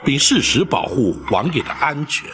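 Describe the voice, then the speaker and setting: Commanding upright judge. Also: male voice, medium pitch, very animated, sharp tone, slight background noise. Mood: calm. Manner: commanding, measured. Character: stern upright official judge, older man. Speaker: actor in a TV period drama. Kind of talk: Mandarin period drama dialogue.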